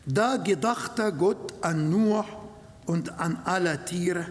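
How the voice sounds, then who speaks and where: A man whose first language is Arabic, preaching a sermon in slow, halting German with non-native grammar. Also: sits high. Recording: long hall reverb.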